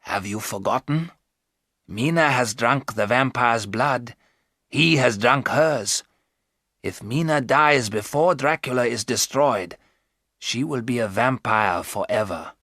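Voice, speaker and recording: A man reading aloud, voicing a wise older professor who explains his plans in a measured, firm way. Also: medium pitch, pushed and bright, dry recording, studio quality, heavily acted.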